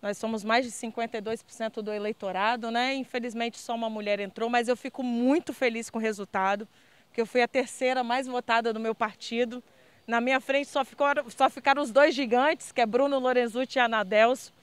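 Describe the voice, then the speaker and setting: A woman's voice: fairly high pitch, steady tone, brisk, clean tone, no echo. Earnest woman community leader. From Brazil. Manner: earnest, persuasive, with frequent fillers. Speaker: interviewee, community leader and council candidate. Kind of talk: street interview answers.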